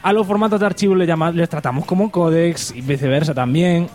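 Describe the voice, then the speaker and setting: A man's voice: a little high, quick pace, darkish tone, soft background music. A man hosting a comedy podcast, mock-serious and sarcastic. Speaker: podcast host.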